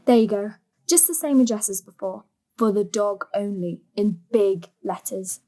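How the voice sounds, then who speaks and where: An actress playing an earnest young activist granddaughter in an audio drama, brisk and matter-of-fact. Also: female voice, mid-range voice, dark tone, lightly acted. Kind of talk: stage-style audio drama acting.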